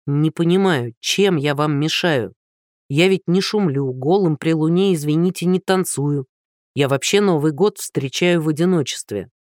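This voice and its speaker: Tired gentleman, low and patient, voiced by the narrator; dry recording. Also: moderate pace, dry recording, natural voice. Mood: weary. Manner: tired, restrained, lower. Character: weary, polite middle-aged man.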